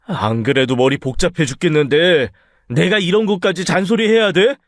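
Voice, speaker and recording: In a radio story drama, a man with a slightly high voice plays an irritable, sick middle-aged husband who harshly scolds his wife, nagging and rising to shouts. He speaks at normal speed and is lightly acted, in a dry, studio-quality recording.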